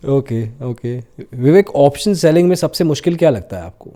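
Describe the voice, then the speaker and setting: Mellow-voiced reflective podcast host man. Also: mid-range voice. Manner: reflective, thinks aloud, mixes in English phrases. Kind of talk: casual interview talk.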